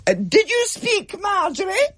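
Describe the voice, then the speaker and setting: A man's voice: extremely high pitch, huge pitch swings, measured pace, a bit bright, pitched above the performer's own voice, heavily acted. A man voicing a severe, commanding schoolmistress who lays down strict rules to her class. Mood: icily polite. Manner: strict, commanding, clipped warnings. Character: stern, severe middle-aged schoolmistress. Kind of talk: storybook reading, radio thriller.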